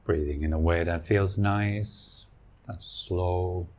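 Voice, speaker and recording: Low-voiced man guiding meditation. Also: fairly even intonation. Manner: gentle, unhurried instruction with short spaced phrases. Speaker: meditation teacher. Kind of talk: guided meditation.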